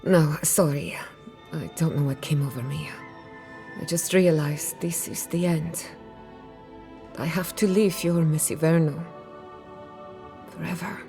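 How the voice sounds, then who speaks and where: Low-voiced, proud, defiant woman scholar. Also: a little slow, vocal fry, pauses often, dark tone, faint music behind. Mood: dismayed. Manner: assertive, articulate, wry. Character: proud, defiant, sharp-tongued outcast woman scholar of souls. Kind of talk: dramatic video game dialogue.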